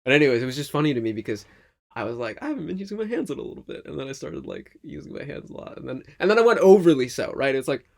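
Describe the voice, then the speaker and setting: Gravelly-voiced man rambling casually. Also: mid-range voice, big pitch swings. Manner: reflective, halting, often checks in with "right?". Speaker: vlog host. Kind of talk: rambling casual monologue to an audience.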